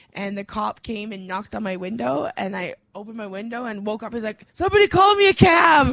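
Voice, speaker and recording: A woman with a Western Canadian accent speaks fairly quickly in a fairly high voice, with lively intonation and hardly any pauses. Her loudness swings widely, and the sound is dry and close with no echo. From Alberta, Canada. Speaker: comedian. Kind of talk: casual comedic chat.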